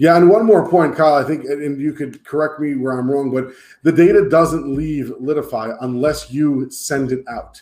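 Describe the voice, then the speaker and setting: At a moderate pace, a man with an ordinary speaking voice talks at a fairly high pitch with ordinary pitch variation. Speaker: solution engineering executive, co-host. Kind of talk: panel conversation.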